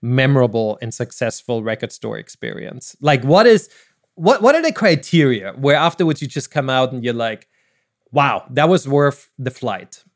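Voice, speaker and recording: A man's voice: mid-range voice, big pitch swings, normal speed. A man with an Austrian accent and German as his first language, chatting casually and enthusiastically as a podcast host. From Vienna, Austria. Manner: enthusiastic, effusive. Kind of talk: casual interview chat.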